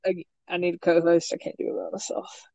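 Hesitant podcast guest with gravelly high voice. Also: male voice, completely flat delivery, fast, warm tone, no room sound, highs cut off. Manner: hesitant, stammering, laughs a lot. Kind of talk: casual podcast chat.

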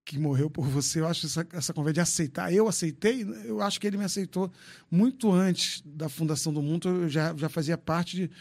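A man's voice: a little high, a little fast, darkish tone. A man in his fifties from Brazil, talking loosely and frankly on a podcast, joking and swearing as he tells his story. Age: 50s. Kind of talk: casual podcast chat.

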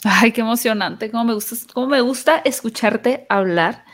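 A woman's voice: a little high, normal speed. A young adult woman with a northern Mexican accent, hosting a podcast interview in a chatty, easygoing way. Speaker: podcast host, celebrity interviewer.

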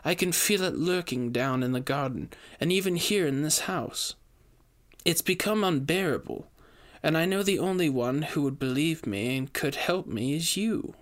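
A man's voice: on the high side, moderate pace, voice pushed up, lightly acted. A man reading a storybook, voicing an anxious widow who pleads for help with an urgent manner. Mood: pleading.

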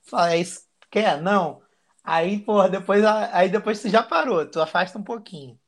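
A man's voice: high voice, fairly quick. Crude, slangy Carioca man. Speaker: podcast guest. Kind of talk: casual chat.

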